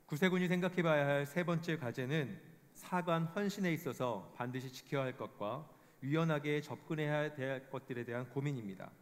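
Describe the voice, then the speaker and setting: A man giving a formal scripted report, reading statistics in a measured way. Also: fairly high pitch. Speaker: presenter of a report. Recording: long hall reverb.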